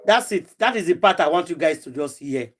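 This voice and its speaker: A man's voice: on the high side, expressive, brisk, music in the background. A man with a Nigerian accent hosting a casual chat, chiming in with short remarks. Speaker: host.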